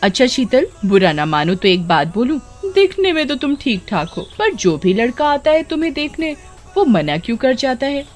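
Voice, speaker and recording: एक औरत बच्चों की कहानी में ताने मारने वाली गांव की लड़कियों की आवाज़ कर रही है, जो मज़ाक उड़ाते हुए बोलती हैं।. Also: female voice, high voice, very animated, normal speed, faint music behind, pitched above the performer's own voice. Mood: taunting. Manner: taunting, sneering. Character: mocking teenage village girls. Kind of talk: children's storybook voice acting.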